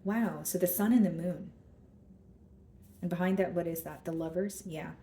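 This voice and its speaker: A woman giving a casual tarot reading with a hoarse, scratchy throat, thinking aloud as she draws cards and talks straight to her viewers. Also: on the low side, moderate pace, warm tone, roomy sound. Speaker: tarot card reader.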